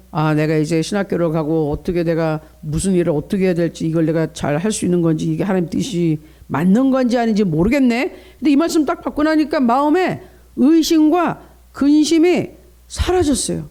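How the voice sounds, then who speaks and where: High-voiced earnest male pastor. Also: lively intonation, normal speed, darkish tone. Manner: earnest, coaching the congregation in prayer, asks for responses. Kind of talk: dawn prayer sermon.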